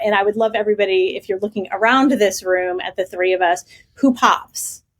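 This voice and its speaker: A woman with a slight New Jersey accent speaks at a moderate pace in a fairly high pitch. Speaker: video presence expert. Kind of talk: podcast interview. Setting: video call.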